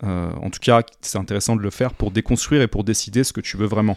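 In a very clean recording with a silent background, a man's fairly low-pitched voice comes across dry and close with no echo. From France. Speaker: podcast host. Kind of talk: casual chat.

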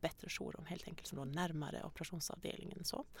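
The speaker talks at a very fast pace with noticeable vocal fry. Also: woman. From abroad, came to Sweden as a doctor. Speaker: anaesthetist and doctors' union chair. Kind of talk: interview. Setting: podcast studio.

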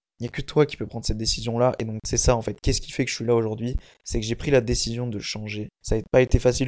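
In a very clean recording with a silent background, a man with a dark, mellow tone and a medium pitch talks at a very fast pace. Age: 20s. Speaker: podcaster and motivational coach. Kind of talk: solo casual monologue. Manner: animated.

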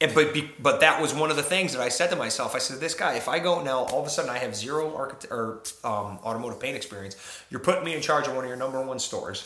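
This man talks very fast and fairly high in pitch, with noticeable background noise behind him. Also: ordinary pitch variation. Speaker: store manager. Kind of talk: casual interview conversation with profanity. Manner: loud, big personality, confident.

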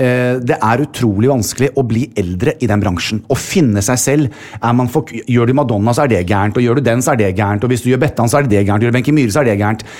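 Talking very fast with hardly any pauses, a man with a medium pitch keeps his loudness very even and his pitch variation ordinary, over noticeable background noise. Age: 50s. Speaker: podcast co-host, fashion commentator. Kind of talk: casual chat.

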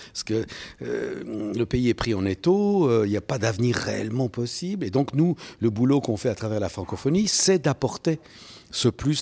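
A man speaks at medium pitch in a dark, mellow tone with lively intonation and a fairly slow pace. The sound is dry and close, with no echo. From Armenia (Yerevan), later France. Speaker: playwright and actor. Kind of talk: interview.

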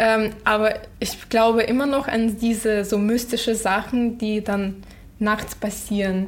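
A woman with a Ukrainian accent speaks very slowly at a fairly high pitch in a monotone, flat intonation, with audible room echo and noticeable background noise. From Ukraine, small town. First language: Ukrainian (speaking German). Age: young. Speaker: podcast co-host. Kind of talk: casual chat.

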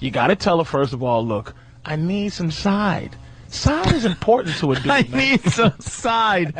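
A man with an American accent, fairly high pitch and very wide pitch swings, over noticeable background noise. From Boston. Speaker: comedian. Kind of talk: casual chat. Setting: studio.

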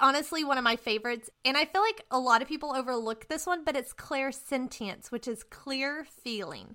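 Projecting her voice, a woman with a Texas accent speaks at a moderate pace in a high pitch, with a bright, sharp tone and lively intonation. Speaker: podcast host. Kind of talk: casual chat.

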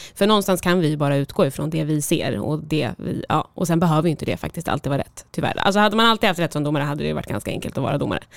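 Very fast and lively in intonation, a woman speaks with a very deep, low pitch and vocal fry. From Sweden, Stockholm. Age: 20s. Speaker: handball referee. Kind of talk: casual chat.

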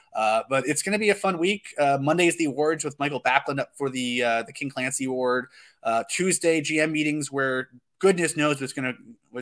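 A very fast voice in a Canadian accent with ordinary pitch variation, in a very clean recording with a silent background and a dry, close sound with no echo. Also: man. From Calgary, Canada. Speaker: hockey reporter. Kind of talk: casual chat. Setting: studio.

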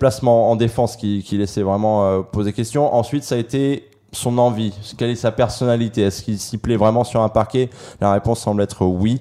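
At a moderate pace, a man speaks with a medium pitch, fairly even intonation and a dark, mellow tone. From US West Coast, Los Angeles. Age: 20s. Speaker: sports journalist. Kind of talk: podcast interview. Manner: loud.

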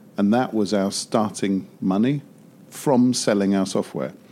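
A man's fairly low, dark, mellow voice with a British accent. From Britain. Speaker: entrepreneur, company CEO. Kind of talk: interview conversation.

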